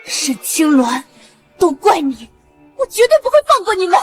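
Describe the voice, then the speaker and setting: Spiteful noble daughter, costume drama, petulant swooping delivery in a piercingly high register. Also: female voice, big pitch swings, fast talker, a little mellow. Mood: bitter rage. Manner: petulant, scheming. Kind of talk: costume short drama acting. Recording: music behind the voice.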